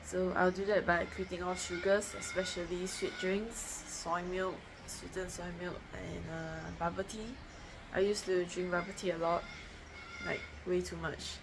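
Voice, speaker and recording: A young woman with a low-ish, unhurried voice and little pitch movement records a casual diet vlog to camera at home. Matter-of-fact and rambling, she uses lots of fillers and restarts, holding her phone close at arm's length in a noisy home recording.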